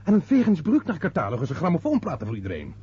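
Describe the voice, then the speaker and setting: A man's voice: fairly high pitch, wildly swooping pitch, rapid-fire, warm tone. An actor playing an indignant young student son in a Dutch radio play, earnest and protesting, hesitant before his mother. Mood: reproachful. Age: young adult. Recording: dull, hissy lo-fi radio play recording.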